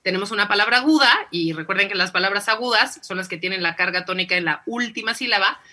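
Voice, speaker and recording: Bright, husky Mexican woman explaining spelling. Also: mid-range voice, fast talker. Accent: Mexican Spanish. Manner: explanatory, tag questions, laughs often. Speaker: podcast guest, spelling expert. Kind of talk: casual chat.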